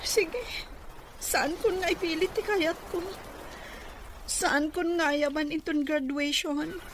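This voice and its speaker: Clear noise surrounds an actress playing an understanding young niece. Her voice is extremely high, Ilocano-accented and delivered as radio drama. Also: fairly even intonation, slow pace. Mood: hurt, accepting. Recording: clearly noisy ambient background.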